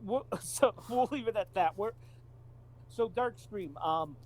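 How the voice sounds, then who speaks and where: A man's voice: high-pitched, slow pace, darkish tone. A man co-hosting a podcast in a casual, conversational style. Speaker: podcast co-host. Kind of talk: casual chat.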